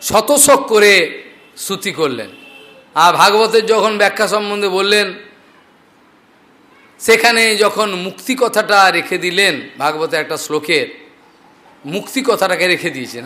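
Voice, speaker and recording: An older man with a high voice gives a devotional scripture discourse. He explains verses step by step and poses questions he then answers himself. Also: normal speed, pauses often, pushed and bright. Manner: explains verses, quotes dialogue, asks and answers own questions. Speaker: preacher.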